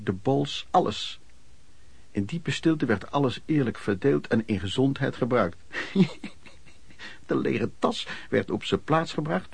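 An actor playing an earnest, aghast storyteller narrating lodging-house memories in a radio play. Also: male voice, mid-range voice, gravelly, breathy edge, no room sound. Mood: confiding. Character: male storyteller recalling lodging-house misery, shocked and earnest. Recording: crowd noise behind the voice.

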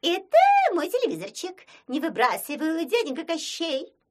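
A woman voicing an eager, excitable swamp creature who squeals her lines. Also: on the high side, a little slow, heavily acted.

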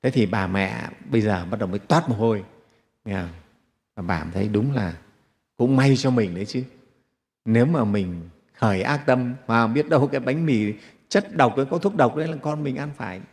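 A man's voice: medium pitch, normal speed, creaky, darkish tone. A man, a Buddhist monk telling a teaching story with rhetorical questions to his congregation. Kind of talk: sermon storytelling. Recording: long hall reverb.

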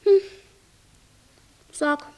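An actress playing a naive, questioning black angel in a German radio play, simple, wondering and gently reproachful. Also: female voice, extremely slow.

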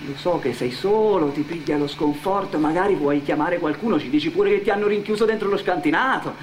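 An actor playing a falsely paternal, menacing restaurant boss in a radio play, coaxing in colloquial speech with a southern Italian accent. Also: male voice, fairly high pitch, brisk, slight background noise, close to an everyday voice. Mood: coaxing menace. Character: wheedling, menacing male restaurant boss exploiting a worker. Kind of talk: theatrical monologue in a radio play.

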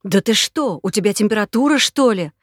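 A woman's voice: mid-range voice, lively intonation, a little fast, no room sound, studio quality, lightly acted. A woman voicing a grown man who asks urgent, anxious questions and turns menacing. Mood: worried.

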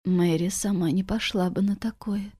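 A woman's voice: medium pitch, fairly even intonation, moderate pace, mellow, slightly rough, natural voice. A woman voicing a weak-willed, fearful male innkeeper who babbles and pleads in an audiobook. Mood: timid.

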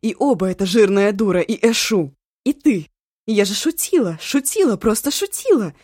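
A woman voicing a panicked young woman who shouts in shrill, desperate bursts. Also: fairly even intonation, moderate pace, no echo, studio quality, natural voice. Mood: hysterical.

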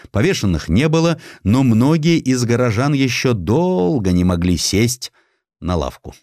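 A man with a fairly low voice narrates history from a script. His intonation is lively and swings widely for emphasis, and the recording is dry and close, like an audiobook. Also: dry recording.

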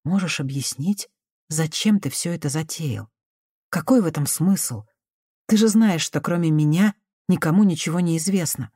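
Woman playing a soft-spoken soothing woman. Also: deep voice, moderate pace, breathy edge, no echo, studio quality. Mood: coaxing. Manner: soft, conciliatory, hushed. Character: cautious gentle woman, soothing and patient.

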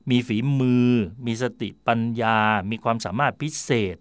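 A man hosting a radio talk slot, chatting in a digressive way about where words come from, with fillers and quick self-corrections. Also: mid-range voice, clear, resonant tone, no echo, clean studio sound. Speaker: radio host. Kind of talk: explaining word origins in casual talk.

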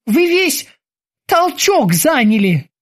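A woman voicing a timid, eager male bosun who reports in a stiffly formal, drawn-out way. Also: high-pitched, sing-song, voice pushed up, exaggerated voice.

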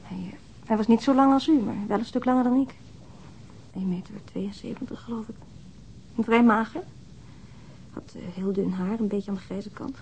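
An actress playing a guarded, halting, middle-aged widow in a naturalistic radio drama. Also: female voice, a little high, a little mellow, slight background noise, close to an everyday voice, rough recording. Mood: halting, wistful. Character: guarded, widowed older housewife who minds children.

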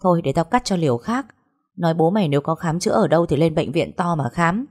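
A woman's voice: on the low side, animated, fast, darkish tone. A woman putting on a scolding old pharmacist woman. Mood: lecturing. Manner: harsh, scolding, coarse.

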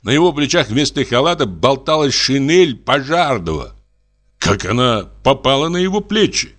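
Expressive male audiobook narrator. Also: mid-range voice, normal speed. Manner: expressive storytelling.

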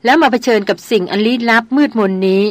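Woman voicing a calm veteran jungle hunter. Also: fairly high pitch, fast talker, dry recording, lightly acted. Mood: calm advising. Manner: steady, reassuring advice. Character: seasoned male jungle hunter, calm and wise.

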